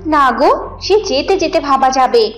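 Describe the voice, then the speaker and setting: A woman's voice: high-pitched, normal speed, reverberant, soft background music, lightly acted. A woman voicing a bossy, scolding fox wife and scheming thief in a cartoon, with a nagging, commanding manner. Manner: nagging, commanding, sharp-tongued. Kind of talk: cartoon character dialogue.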